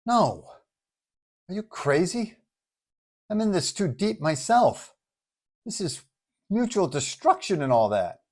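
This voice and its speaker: A man's voice: sits high, sing-song, slow, pauses often, a little mellow, voice pushed up, full character voice. A man voicing a distressed woman, a hero's girlfriend in an audio storybook, protesting and pleading urgently. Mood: defensive.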